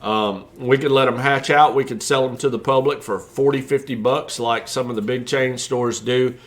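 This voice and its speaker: A man's voice: medium pitch, fairly even intonation, normal speed. A man who breeds reptiles, explaining care tips in a casual, folksy way with many fillers.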